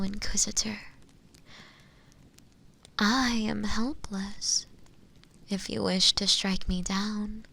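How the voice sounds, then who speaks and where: An imprisoned witch as a woman acts her out in a fantasy audio roleplay, speaking in a hushed, breathy voice with a gravelly creak. She draws her words out slowly and deliberately at a medium pitch. Her pleading innocence carries a sly, seductive undertone. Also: exaggerated voice. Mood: meek, coaxing. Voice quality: breathy, whispery. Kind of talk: dramatic roleplay audio acting.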